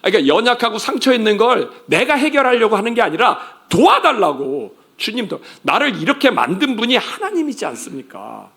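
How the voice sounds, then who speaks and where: A male pastor preaching a sermon, swinging from loud exclamations to soft whispered asides and acting out everyday quoted speech. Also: sits high, big pitch swings, brisk, gravelly, hardly any pauses.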